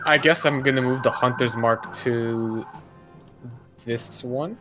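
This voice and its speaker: A man's voice: medium pitch, steady tone, slow pace, over music. A man talking casually as a player during a tabletop roleplaying game.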